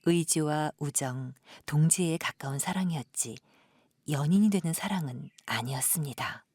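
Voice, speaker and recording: A woman narrating a literary audio drama in a soft, measured, dramatic storytelling style. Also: low-pitched, husky, no room sound.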